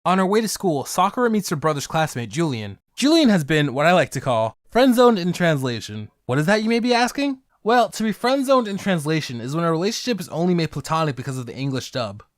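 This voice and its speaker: A man's voice: fairly high pitch, big pitch swings, quick pace, few pauses, no room sound, studio quality. A young man hosting a comedic review video, sarcastic with jokey asides. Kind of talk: comedic narration.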